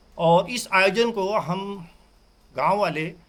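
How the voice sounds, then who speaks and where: A man's voice with ordinary pitch variation, music playing in the background. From Uttarakhand, Kumaon (Bageshwar). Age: 60s. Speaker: village elder, farmer. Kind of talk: news interview.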